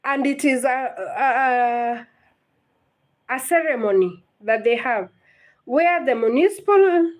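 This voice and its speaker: Slow, high-voiced woman teacher. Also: darkish tone, poor audio. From Kenya. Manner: patient, repetitive, checks understanding often. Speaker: English and literature teacher. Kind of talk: live-streamed exam lesson.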